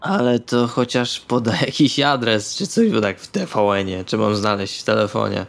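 A man's voice: on the low side, moderate pace, creaky. A man speaking casually and bluntly as a player in a tabletop role-playing session. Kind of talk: casual in-character banter in Polish tabletop session.

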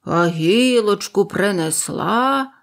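A woman voicing a kind, sorrowful old grandfather who speaks gently and quietly. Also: medium pitch, lively intonation, takes it slowly. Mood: gentle.

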